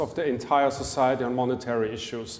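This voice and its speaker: A man with a German accent speaks at a moderate pace amid noticeable background noise. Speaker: author and economist. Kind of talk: interview. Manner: halting, many fillers.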